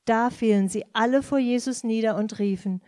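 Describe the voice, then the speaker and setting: A woman's voice: on the high side, moderate pace, darkish tone. A woman reading scripture and interpreting a sermon phrase by phrase, following the preacher closely.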